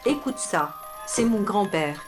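A woman's voice: medium pitch, lively intonation, a little slow, music in the background. A synthetic female voice playing a nostalgic, earnest talking-clock announcer in a scripted comic dialogue. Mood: nostalgic, proud. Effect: text-to-speech voice.

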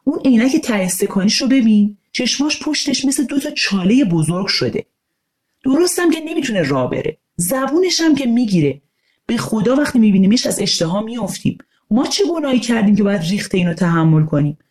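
A woman's voice: fairly high pitch, big pitch swings, a crowd in the background, pitched above the performer's own voice. A woman voicing an angry, mocking schoolboy bully in an audio storybook, over guitar music. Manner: mocking, scornful.

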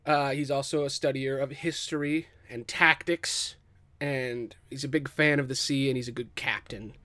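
Man co-host, mid pitch, casual swearing brainstormer, dry close recording. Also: fairly even intonation, moderate pace, bright, forceful tone, no echo. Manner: loose and profane, many fillers.

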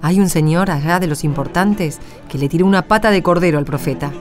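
A woman voices a worried young serving girl in a radio play. She is hesitant and anxious, with a lowish pitch over faint music. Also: brisk, natural voice. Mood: flustered, worried. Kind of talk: religious radio play acting.

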